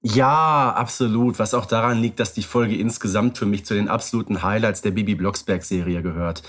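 A man co-hosting a podcast, talking in a relaxed way and thinking aloud with fillers. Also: lowish voice, a little fast. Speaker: podcast co-host. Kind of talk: casual podcast discussion.

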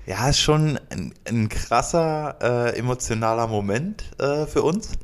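A late-thirties man from Berlin, Germany, co-hosts a casual podcast chat, joking around and hesitating with lots of fillers and restarts. His medium-pitched voice is expressive, clear and resonant, and he speaks a little slowly.

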